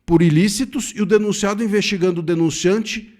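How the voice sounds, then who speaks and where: A man's voice: sits high, brisk, a little mellow. A man from Brazil giving earnest solo commentary on a legal case, emphatic and often restarting his words. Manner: earnest, emphatic, with frequent self-corrections and restarts.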